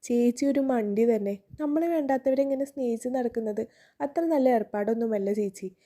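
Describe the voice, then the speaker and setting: A woman's voice: fairly high pitch, normal speed, lightly acted. Woman doing a chatty, caring young girl. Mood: scolding. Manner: lively, affectionate and scolding.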